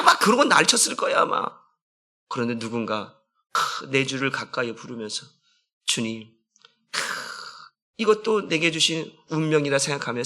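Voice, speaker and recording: A man's voice: on the high side, pushed and bright. A man preaching a conversational sermon as a senior pastor, asking the congregation questions and acting out quotes.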